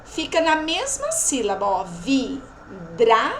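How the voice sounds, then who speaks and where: High-pitched and very animated, a Brazilian Portuguese woman gives a recorded remote lesson, stretching out her example words and checking in with the class after every point. The recording is rough, with slight background noise.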